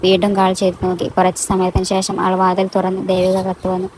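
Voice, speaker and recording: Low, level-voiced woman storyteller. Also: monotone, fairly quick, a little mellow, a little hiss or hum, poor audio. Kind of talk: narrating a romantic audio story.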